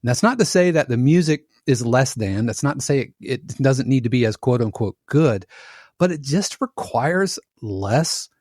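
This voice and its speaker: A man guest on a podcast, explaining his trade in casual conversation, animated and full of analogies, often restarting his sentences. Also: mid-range voice, normal speed, no echo, studio quality. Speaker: podcast guest, production music composer.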